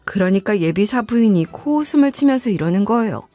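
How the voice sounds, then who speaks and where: A woman's voice: mid-range voice, lively intonation, brisk, mellow, soft background music. A woman in her fifties narrating a family story in the first person, in a conversational, indignant tone.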